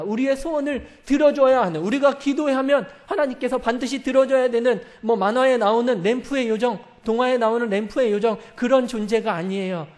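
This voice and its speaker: A man with a very high voice delivers a sermon from the pulpit. He speaks straight to his congregation and keeps asking them questions. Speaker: pastor.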